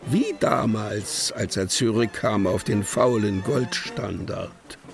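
An actor playing an imprisoned poet in a radio play, reciting solemnly with weighty pauses and a creaky voice. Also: male voice, fairly low pitch, faint music behind. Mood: bitter, declamatory. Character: imprisoned male poet, brooding, defiant, incantatory. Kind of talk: German literary radio play, dramatic poetic recitation.

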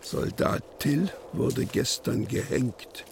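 An actor playing an imprisoned poet in a radio play, reciting solemnly with weighty pauses and a creaky voice. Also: male voice, medium pitch, noisy background. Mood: grave. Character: imprisoned male poet, brooding, defiant, incantatory. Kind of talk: German literary radio play, dramatic poetic recitation.

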